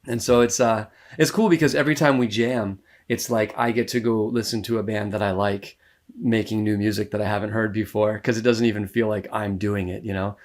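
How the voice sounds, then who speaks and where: A man's voice: lowish voice, brisk. Laid-back American man, rambling with fillers. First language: English. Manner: relaxed, rambling, laughs often, many fillers. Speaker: musician guest. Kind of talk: casual interview talk.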